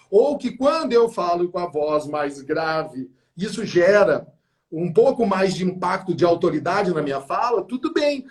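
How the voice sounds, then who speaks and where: Effusive high-voiced man host. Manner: effusive, acts out quoted voices with big pitch jumps. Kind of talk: enthusiastic interview chat.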